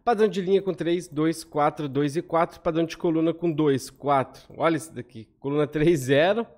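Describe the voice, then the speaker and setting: A Brazilian man in his thirties talks through lottery number trends as he scrolls a spreadsheet. His voice sits a touch high and his delivery is quick and chatty. He keeps checking in with the viewer through little tag questions. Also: darkish tone. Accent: Brazilian Portuguese. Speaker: lottery analysis host. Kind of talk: casual spreadsheet walkthrough. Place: home room, on webcam over screen share.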